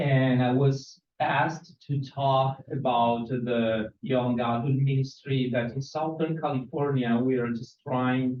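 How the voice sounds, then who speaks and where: The speaker has an Italian accent and talks at a very slow pace in a monotone, flat intonation with hardly any pauses. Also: man, medium pitch for a man. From Italy. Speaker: priest. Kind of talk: workshop presentation.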